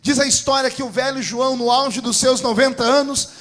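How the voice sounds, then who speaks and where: High-pitched preacher man, dramatic sermon. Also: fairly even intonation, fairly quick. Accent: Brazilian Portuguese. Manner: dramatic storytelling, builds to shouting. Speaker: pastor.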